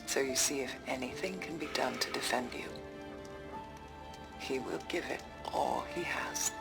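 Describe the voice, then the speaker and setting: A woman's voice: rumbling low, unhurried, gravelly, exaggerated voice. Earnest tribal shaman, music behind. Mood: solemn, proud. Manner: solemn, earnest. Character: earnest tribal shaman woman, devoted proud sister. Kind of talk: scripted video game dialogue.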